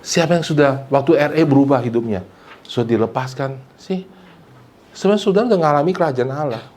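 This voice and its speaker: A man preaching a church sermon, mixing English phrases into his talk and swinging between loud, high emphasis and low, quiet asides. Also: brisk. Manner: mixes English phrases into preaching, repeats "saudara" and "amin". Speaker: pastor.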